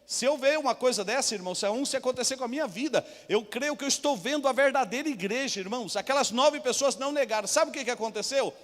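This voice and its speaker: A man's voice: extremely high pitch, fast talker, few pauses, fairly bright tone. A man with a Brazilian Portuguese accent preaching a sermon as a pastor. He tells stories and often calls out to the congregation. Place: church hall. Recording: long church hall reverb.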